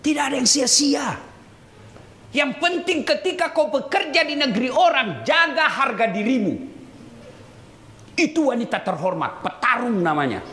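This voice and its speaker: A man's voice: very high voice, very animated, moderate pace, bright, forceful tone. A man preaching a humorous sermon to a live audience, teasing and addressing listeners directly. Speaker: Islamic preacher. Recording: echoey hall with crowd noise.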